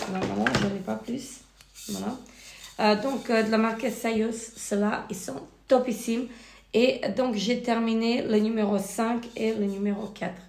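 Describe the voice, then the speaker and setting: A woman with a cold and a hoarse voice, hesitantly reviewing finished beauty products in a casual vlog. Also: medium pitch, a little mellow. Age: married adult. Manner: hesitant, many fillers and restarts. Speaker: beauty vlogger. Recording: echoey room.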